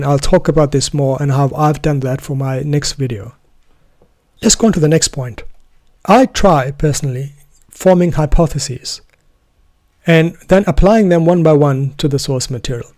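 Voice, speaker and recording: A man whose first language is Urdu gives an earnest, deliberate solo talk about his method of study, often restarting phrases to stress a point. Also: a little high, a little mellow, no room sound, clean studio sound. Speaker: Quran student presenting his method.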